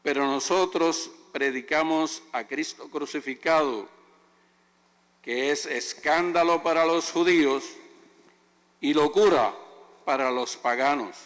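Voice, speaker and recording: Male lector, extremely slow and solemn liturgical reading, slightly high voice, long cathedral echo. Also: a bit bright. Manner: solemn, deliberate phrasing. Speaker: lector at Mass. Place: large reverberant church.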